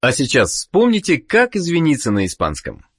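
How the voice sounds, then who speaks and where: A man narrating a language course, giving the listener clear prompts and questions to answer. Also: a little high, huge pitch swings, normal speed. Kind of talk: scripted instructional narration.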